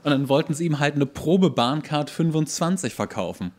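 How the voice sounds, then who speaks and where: A man's voice: on the high side, lively intonation, normal speed. A man hosting a podcast, explaining and ranting in a casual, colloquial way. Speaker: podcast host.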